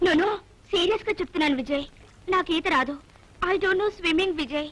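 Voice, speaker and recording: A woman's voice: high-pitched, expressive, a little fast, fairly bright tone. An actress playing a mischievous young woman who teases and fools her lover in a film scene. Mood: pleading. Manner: teasing, coaxing. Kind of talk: 1980s Telugu film dialogue. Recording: film soundtrack with music.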